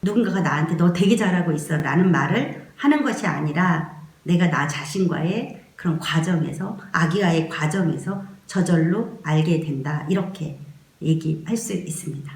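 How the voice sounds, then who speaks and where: A woman's voice: low-pitched, normal speed, darkish tone, echoey room. A woman giving a spoken parenting lesson, explaining earnestly and acting out the soothing words she would say to a crying baby. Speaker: parenting educator.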